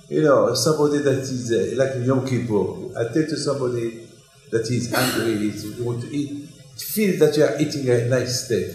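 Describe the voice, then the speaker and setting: An older man from Morocco, giving an animated Torah lecture in English, repeating his phrases. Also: mid-range voice. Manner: animated, gesturing broadly, repeats phrases, non-native English. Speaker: rabbi. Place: synagogue hall, indoors. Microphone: desk mic on stand. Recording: echoey hall.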